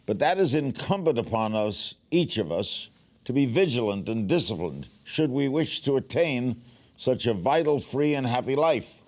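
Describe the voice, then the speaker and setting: A man's voice: medium pitch, big pitch swings, moderate pace, a little mellow. A man reading a scripted inspirational manifesto aloud.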